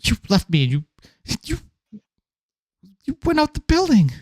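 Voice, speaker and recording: A man's voice: very high-pitched, big pitch swings, brisk, gravelly, slight background noise, pitched above the performer's own voice, exaggerated voice. A man voicing a grumpy, indignant young noble lady in a tabletop game.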